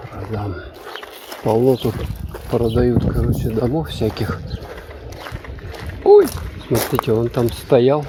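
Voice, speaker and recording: Walking-vlog voice, slow and offhand, short rambling remarks, clear outdoor wind noise on the mic. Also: medium pitch, very animated. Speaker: vlogger filming a walk. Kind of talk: casual unscripted walking commentary. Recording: noisy outdoor recording, wind and ambience.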